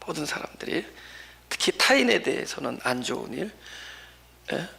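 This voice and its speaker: A male pastor preaching a sermon, acting out the questions and replies he quotes and building to emphatic shouted refrains before dropping back low. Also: big pitch swings, normal speed, vocal fry, husky. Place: church sanctuary.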